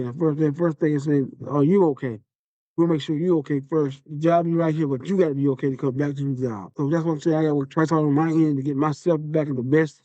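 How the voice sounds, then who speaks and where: A man's voice: fairly high pitch, dark tone, dry recording, highs cut off. A man hosting a podcast and giving an earnest, repetitive motivational talk. His speech is slurred from a facial palsy. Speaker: podcast host. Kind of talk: motivational monologue.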